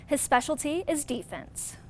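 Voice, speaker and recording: A woman's voice: sits high, big pitch swings, a little slow, darkish tone, slight background noise. A woman with an American accent reading a scripted sports newscast as the anchor.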